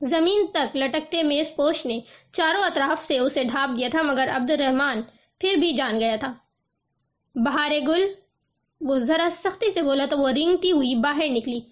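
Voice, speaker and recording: A woman reading a novel aloud as scripted narration, in a steady, measured storytelling manner. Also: high voice, highs cut off. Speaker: audiobook reader.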